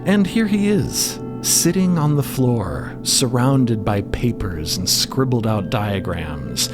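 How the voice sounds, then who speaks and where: Theatrical male narrator, wildly expressive pitch. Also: slow pace. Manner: dramatic, playful. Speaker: co-narrator of a story podcast. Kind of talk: theatrical scripted narration with casual asides. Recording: loud music bed under voice. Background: loud music.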